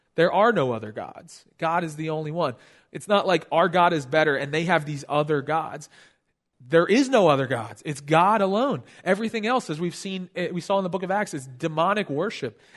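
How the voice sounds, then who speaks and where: An unremarkable speaking voice from a man, fairly high in pitch, at a moderate pace with lively intonation over a quiet background. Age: 30s. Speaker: pastor. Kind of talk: sermon.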